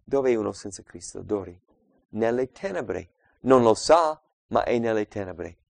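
Gravelly Italian-speaking preacher, dry sound. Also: male voice, expressive, unhurried, no room sound. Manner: reads scripture aloud and explains it, calling out verse numbers; swings between loud emphatic passages and quiet low asides. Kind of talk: Bible study sermon.

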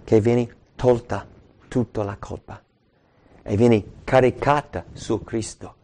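A man's voice: medium pitch, fairly even intonation, slow, dark tone. A man preaching a sermon with emphasis, repeating key words and asking rhetorical questions.

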